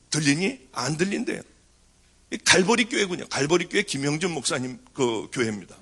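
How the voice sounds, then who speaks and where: Male pastor, middle-aged, sermon testimony; high voice, very expressive pitch. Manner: animated storytelling, voice rising and falling.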